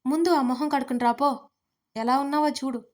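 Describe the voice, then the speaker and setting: A woman's voice: high voice, steady tone, brisk, close to an everyday voice. A woman voicing a bossy young woman in an audio story who scolds her friend in an exasperated way.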